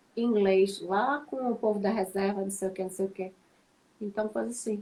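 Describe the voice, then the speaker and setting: At a moderate speed, a woman's voice holds a medium pitch. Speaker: lawyer. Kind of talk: casual chat. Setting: video call.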